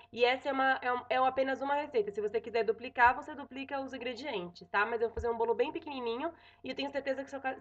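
A young woman with a Brazilian accent talks viewers through a recipe in a friendly, chatty way, often pausing to check they are following. Her voice sits a little high. The recording is somewhat dull and lo-fi, like a home setup. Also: a bit bright. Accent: Brazilian Portuguese. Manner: chatty, frequent "tá?" check-ins and self-corrections. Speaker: cooking vlogger. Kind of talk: casual cooking tutorial. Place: home kitchen.

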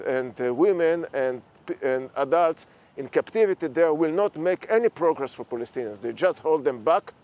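Slightly high middle-aged man. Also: a little mellow. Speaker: interview guest, relative of captives. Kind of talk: earnest live interview answer. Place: outdoor terrace in a city.

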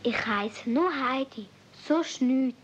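A woman's voice: high-pitched, slow. A woman with a Swiss German accent playing a blunt, artless seven-year-old mountain girl in a 1970s radio play. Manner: plain, blunt. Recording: dull old cassette transfer.

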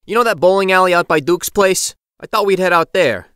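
An actor playing a haunted, restless young man who recounts events in a halting, slangy way for an audio drama. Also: high-pitched, fairly bright tone, clear, resonant tone, no echo, clean studio sound. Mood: subdued, recounting. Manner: colloquial, halting, informal.

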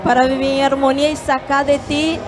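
A Brazilian woman yoga teacher speaking Spanish in a gentle, measured way with small hesitations, on a handheld mic at a fair stand. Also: high-pitched, level tone. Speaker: yoga teacher and holistic therapist. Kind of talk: calm explanatory interview answers. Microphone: handheld microphone.

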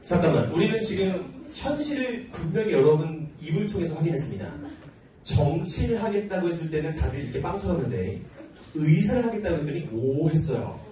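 Guy in his 40s teaching, kinda high lively voice, jokey, roomy distant classroom sound. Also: a little fast, background noise. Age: early forties. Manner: playful, joking, earnest, often laughing. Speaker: history teacher at a cram school. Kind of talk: informal question-and-answer with students. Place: large classroom with students. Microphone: handheld microphone, filmed by tripod camera at back.

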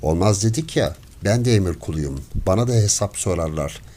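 A man doing a gruff stern forest warden. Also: low-pitched, animated, brisk, warm tone. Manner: gruff, curt and commanding. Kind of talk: audiobook character voice.

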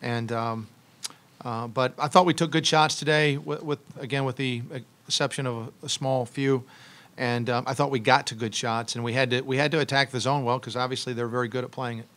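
Halting middle-aged coach at press table. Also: male voice, mid-range voice, steady tone, fairly bright tone. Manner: halting, many restarts and ums, thoughtful. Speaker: head basketball coach. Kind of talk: postgame press conference. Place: press room with logo backdrop, seated at table. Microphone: table mic on stand.

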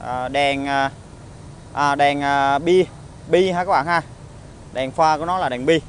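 Higher-voiced southern Vietnamese used car salesman. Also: steady tone. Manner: used car salesman pitch, halting with frequent hesitations and tag words. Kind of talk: informal sales walkaround video. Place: outdoor car lot, partly inside a car. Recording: outdoor phone recording with traffic ambience.

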